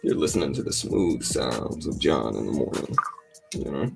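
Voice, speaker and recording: A middle-aged man with a raspy morning voice, chatting casually as a livestream host in a joking, self-deprecating, rambling way. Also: lively intonation, normal speed, darkish tone, faint music behind. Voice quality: deep morning voice. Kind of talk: casual live trading commentary to chat.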